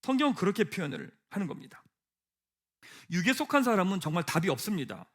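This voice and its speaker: A man's voice: high voice, huge pitch swings, fast talker, husky. A man preaching a sermon as pastor, asking the congregation rhetorical questions and leading them in reading scripture aloud. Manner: rhetorical questions, swings from hushed to emphatic. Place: church sanctuary.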